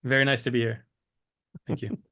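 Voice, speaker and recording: Hesitant, reflective man at mid pitch. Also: little pitch movement, moderate pace, fairly bright tone. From Switzerland and the United States. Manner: hesitant, searching for words. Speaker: interview guest. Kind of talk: reflective personal storytelling.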